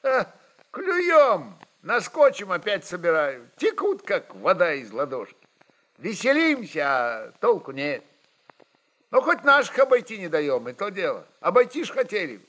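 A man voicing a rough, irritable Cossack lieutenant in an audiobook, with curt, scolding peasant speech. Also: sits high, wildly swooping pitch, unhurried, fairly bright tone, pitched above the performer's own voice, heavily acted. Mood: breathless report.

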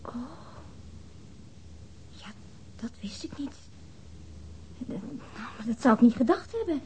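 In a radio drama, an actress voices a frank, flirtatious woman witness, speaking hesitantly yet candidly and matter-of-factly in naturalistic dialogue. Her whispered voice is high-leaning and mellow, with lively intonation and an unhurried pace.

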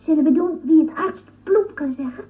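A woman's voice: sits high, normal speed, natural voice. An actress playing a playful, taunting little girl in a radio drama. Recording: tinny, noisy old radio recording.

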